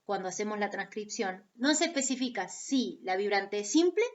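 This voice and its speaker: A woman teaching a recorded lesson on phonetics, explaining slowly, repeating key points and checking in with her students. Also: mid-range voice, lively intonation, muffled recording.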